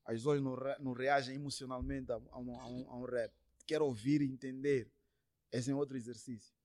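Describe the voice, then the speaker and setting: A man in a casual, conversational interview, answering as a musician guest. He talks in a halting way, circling back to repeat his phrases and slipping in English slang. The sound is close and dry. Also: mid-range voice, flat delivery, darkish tone, dry recording.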